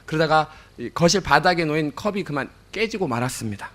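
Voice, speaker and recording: Bright-voiced man preaching a sermon. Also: fairly high pitch, lively intonation, brisk. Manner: storytelling, addresses the congregation directly; fillers and self-corrections. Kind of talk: sermon storytelling.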